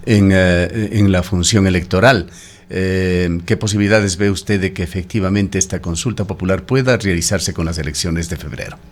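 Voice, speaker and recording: A man hosts a radio interview. His voice is very low, and he asks short, probing questions with occasional hesitations.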